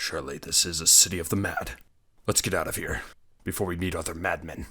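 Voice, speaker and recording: Putting on a character voice, a man growls at a very fast pace in a raspy, very deep, low pitch. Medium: read story. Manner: growling, harsh, blunt.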